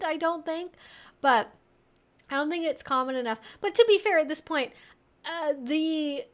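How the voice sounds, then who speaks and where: A woman's voice: high voice, a bit bright. A woman hosting a casual livestream Q&A, talking conversationally and emphatically as she thinks aloud. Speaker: livestream host. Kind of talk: casual Q&A livestream chat, reading viewer comments.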